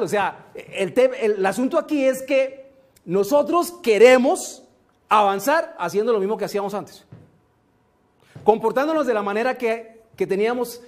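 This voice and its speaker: A man giving a motivational seminar talk, slow and emphatic, often asking rhetorical questions. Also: high voice. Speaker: motivational speaker.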